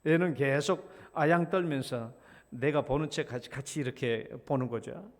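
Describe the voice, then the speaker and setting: A man's voice: medium pitch, moderate pace, big-room sound. A middle-aged man, a senior pastor, preaching a sermon in a storytelling way, acting out a child's pleading and his own pretended reluctance. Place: church sanctuary.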